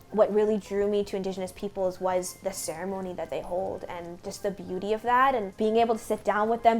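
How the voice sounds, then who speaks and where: A woman's voice: mid-range voice, a little mellow. Bahamian woman talking in a doc interview, open and reflective, faint music behind. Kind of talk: documentary interview.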